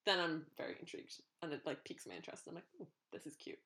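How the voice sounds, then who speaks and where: A young half-French woman co-hosting a podcast, musing in animated casual chat. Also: sits low, racing. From Ireland and France. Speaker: podcast co-host.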